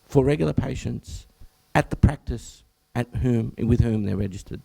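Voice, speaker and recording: An Australian man, a general practitioner, presenting to health professionals at an information session, with a croaky, hoarse voice; he clears his throat often and breaks off to restart phrases. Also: mid-range voice, moderate pace, dark tone, poor audio. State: hoarse, croaky from much talking.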